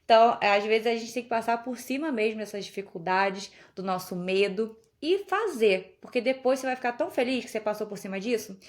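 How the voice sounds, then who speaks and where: A young woman from Brazil talks in a relaxed, chatty way, often breaking into laughter. Her voice sits a little high. She tells her stories with easy warmth in a casual conversation. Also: brisk, few pauses. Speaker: guest on a podcast.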